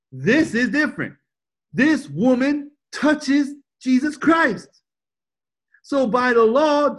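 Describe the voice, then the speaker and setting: A man's voice: high-pitched, a bit bright. A pastor preaching a sermon in an emphatic manner, repeating his points and asking the congregation questions. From United States.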